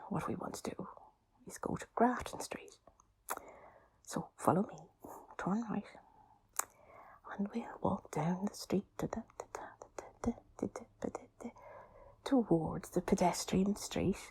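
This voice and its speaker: Whispering Irish woman, breathy whispered role-play. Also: mid-range voice, unhurried, long pauses, mellow, poor audio. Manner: rambling, chatty, addresses listener as companion. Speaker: tour guide narrator. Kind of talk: intimate whispered ASMR walking-tour role-play.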